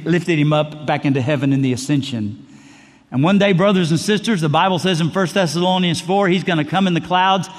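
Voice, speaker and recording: An older male pastor preaching a sermon in a conversational, joking way, dropping to a soft voice on key words. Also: fairly high pitch. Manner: conversational, jokey preaching with sudden soft drops. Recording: long reverb of a large hall.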